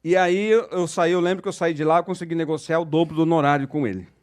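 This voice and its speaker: Middle-aged São Paulo moderator, slightly high-pitched, jokey and engaging on stage. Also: male voice, quick pace, clear, resonant tone. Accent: São Paulo Portuguese. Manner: chatty, jokey, asks the crowd questions. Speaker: panel moderator. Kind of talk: storytelling talk to an audience. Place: auditorium.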